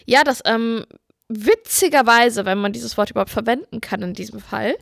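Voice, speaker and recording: A woman's voice: fairly high pitch, normal speed, gravelly, fairly bright tone, dry recording. A woman co-hosting a podcast who chimes in with dry, teasing quips. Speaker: podcast co-host. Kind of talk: casual chat.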